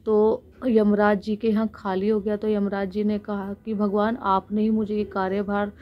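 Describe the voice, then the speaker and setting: An Indian woman giving an explanatory Hindu religious discourse, speaking earnestly and unscripted with pauses, her throat a little sore. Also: mid-range voice, flat delivery, dull audio. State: sore throat with frequent throat clearing.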